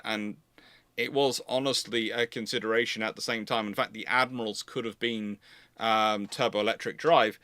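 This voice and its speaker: A man with a bright, forceful voice explains things live and unscripted as a host. He rambles, doubling back to restart and repeat phrases. The sound is dry and close. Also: medium pitch, no echo. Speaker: host of a live naval history Q&A.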